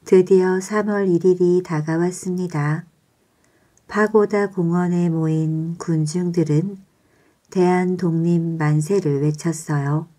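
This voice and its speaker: A woman narrating bedtime stories in a calm, soothing, measured way. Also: lowish voice. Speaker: storyteller.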